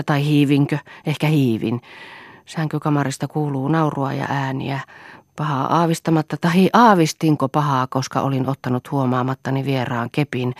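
A woman voicing a distraught middle-aged man who speaks quietly and haltingly, in an audiobook. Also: low-pitched, dry recording, clean studio sound. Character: shaken middle-aged man confessing in a hushed voice.

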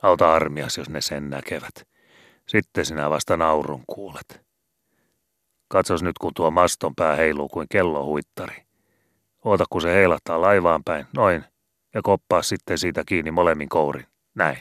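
A man voicing a gruff, bossy, boastful old male sea pilot who scolds loudly and swears in rough rural speech in a storybook reading. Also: extremely low pitch, no room sound, studio quality. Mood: gruff scolding.

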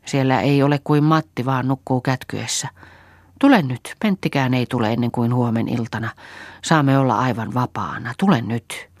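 A woman's voice: rumbling low, darkish tone, no echo. A woman doing a fussing, coaxing farmwife. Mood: coaxing worry. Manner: coaxing, soothing, half-whispered urging.

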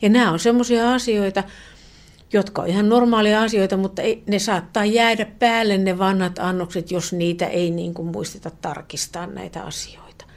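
A woman professor appears as a guest on a radio interview, explaining things earnestly in a medium-pitched, steady voice. She uses many fillers and restarts and often trails off softly.

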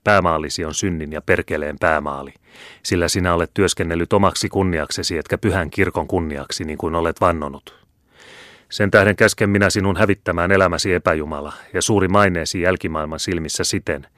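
A man's voice: deep voice, fairly bright tone, no echo, clean studio sound. A man voicing a haughty, domineering older Jesuit superior who speaks in a scornful, commanding way in a storybook reading.

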